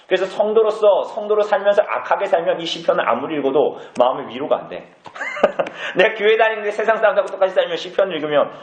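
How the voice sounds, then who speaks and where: A pastor preaching a conversational sermon, often putting questions to the congregation. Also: male voice, high-pitched, big pitch swings, fast, slight background noise. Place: church hall. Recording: echoey, dull church recording.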